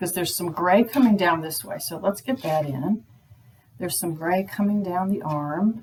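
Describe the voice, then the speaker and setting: Relaxed, mumbled speech with lively intonation amid noticeable background noise. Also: woman. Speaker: hobby painter. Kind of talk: painting tutorial. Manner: mumbling; casual, relaxed.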